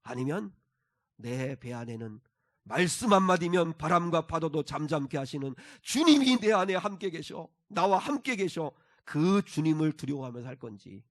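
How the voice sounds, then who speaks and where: A man preaching a sermon as pastor, moving between quiet asides and loud, emphatic exhortation, and leading the congregation in reading scripture. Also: fairly high pitch, lively intonation, normal speed.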